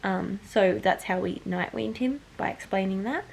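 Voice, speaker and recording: A tired young woman with a nasal voice from hay fever chats casually to camera as a vlogger, rambling and correcting herself. Her voice is medium in pitch with vocal fry, and she talks at a normal speed. There's slight background noise.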